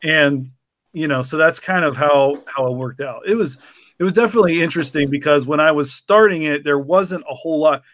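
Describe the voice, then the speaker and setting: Man, slightly high voice, casual co-host chat, informal explaining, very dry recording. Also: a little fast, a bit bright, dry recording. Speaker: podcast co-host and show writer. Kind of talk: casual behind-the-scenes chat.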